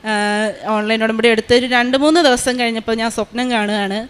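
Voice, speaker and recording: A young woman tells her personal testimony. She talks quickly in a slightly high voice. Her delivery is earnest and full of fillers and restarts. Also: fairly even intonation, clear, resonant tone. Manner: earnest storytelling with many fillers. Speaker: testimony giver.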